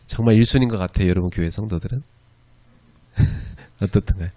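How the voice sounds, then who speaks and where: A pastor teaching an evangelism school preaches a sermon lecture at a church in a conversational way, often checking in with the audience through frequent "예" and "그죠?" asides. His voice is low, warm and a little fast.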